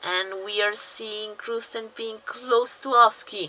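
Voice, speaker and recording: A very slow voice with a non-native accent over noticeable background noise. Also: woman. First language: not English. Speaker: esports race commentator. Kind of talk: live commentary. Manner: halting, many fillers; animated.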